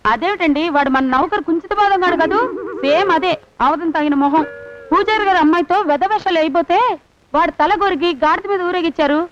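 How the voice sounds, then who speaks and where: A pushy past-life wife. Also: female voice, extremely high pitch, fast, background noise. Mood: insistent. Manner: persistent, affectionate, bossy. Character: insistent woman claiming to be a past-life wife. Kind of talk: Telugu film comedy acting. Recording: slightly dull film soundtrack.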